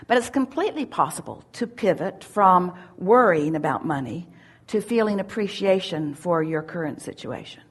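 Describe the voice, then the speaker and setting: A woman giving a spiritual teaching at a seminar, speaking as "we" in an emphatic, drawn-out way. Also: medium pitch, slightly rough. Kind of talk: channeled teaching in first person plural.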